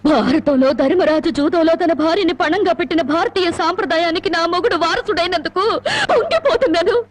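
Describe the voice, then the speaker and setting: An actress playing a wronged young wife who scolds her husband with sharp, tearful sarcasm in a melodramatic film scene. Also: very high voice, brisk. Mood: bitter sarcasm. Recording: film soundtrack with loud score.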